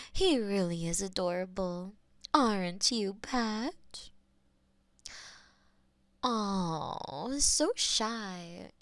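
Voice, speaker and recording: A woman voicing a possessive, teasing female demon mistress who is smug and powerful, dropping at times to soft whispers. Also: medium pitch, no room sound. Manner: teasing, slow and purring, drops to soft whispers. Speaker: voice actor in an audio roleplay. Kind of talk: audio roleplay acting.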